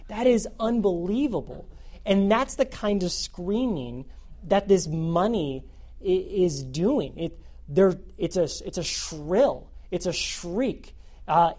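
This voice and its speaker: Addressing students as their youth pastor, a man with a fairly high voice delivers an energetic sermon, hammering points home by saying phrases again.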